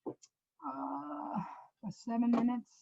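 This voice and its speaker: A woman's voice: a little high, steady tone, drawn-out words, gravelly, dark tone, dull audio. Swedish-accented woman giving a chatty demo. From Sweden. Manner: chatty, loose, frequent self-corrections. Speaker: presenter. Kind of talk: casual screen-share app demo.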